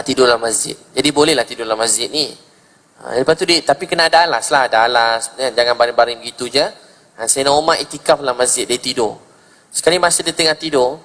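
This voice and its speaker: A man's voice: a little high, fairly bright tone. A man preaching a sermon in Malaysian Malay, telling stories and repeating phrases for emphasis, with dramatic rises when he quotes. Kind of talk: sermon storytelling. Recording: long hall reverb.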